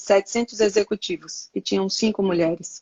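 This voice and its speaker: A woman at a moderate pace and medium pitch. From Bahia, Brazil. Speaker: sales executive. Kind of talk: interview. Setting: Instagram live video call.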